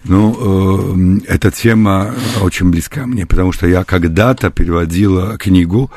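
Guest: a man, halting and full of pauses, dry studio sound. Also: deep voice, a little mellow, no echo. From Italy. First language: Italian. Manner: hesitant, many pauses and fillers. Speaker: guest, translator. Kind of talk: casual radio interview.

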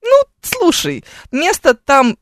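A woman co-hosts a morning radio show, trading travel stories with mock enthusiasm and quick ironic asides. Her voice sits close and dry on a studio microphone, with no room sound around it. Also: sits high, huge pitch swings, no echo. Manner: chatty, ironic storytelling. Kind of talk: casual on-air chat.

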